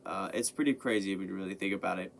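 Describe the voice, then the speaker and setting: A young man hosting his own sports podcast, talking casually and rambling with lots of fillers and restarts, his voice a little hoarse after being sick. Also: sits low, quick pace, a little hiss or hum. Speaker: podcast host. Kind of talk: casual sports commentary monologue.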